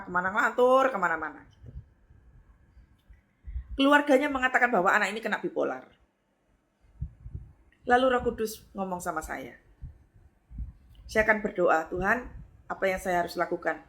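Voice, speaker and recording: A middle-aged woman pastor, preaching a lively sermon and acting out voices with sudden high exclamations.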